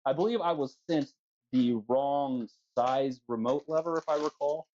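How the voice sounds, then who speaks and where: A man's voice: mid-range voice, normal speed, a little mellow, lo-fi sound. A man hosting a casual livestream while tinkering, with a jokey manner and frequent easy laughter. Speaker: livestream host. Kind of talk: casual chat while working on bikes. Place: basement room at home.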